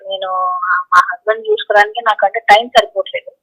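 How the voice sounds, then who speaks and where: A woman's voice: a little high, sing-song, quick pace, vocal fry, a bit bright. A woman answering questions in a phone interview, speaking insistently and repeating her phrases. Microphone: phone call. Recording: tinny telephone line.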